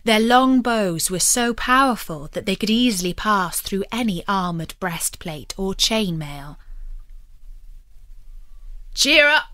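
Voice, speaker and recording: A woman narrating a storybook tale in a measured, expressive scripted delivery. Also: mid-range voice.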